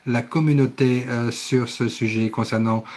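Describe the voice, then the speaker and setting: A man interpreting a conference session live, speaking haltingly and often correcting himself. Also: medium pitch, steady tone, darkish tone. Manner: halting delivery with self-corrections. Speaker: simultaneous interpreter.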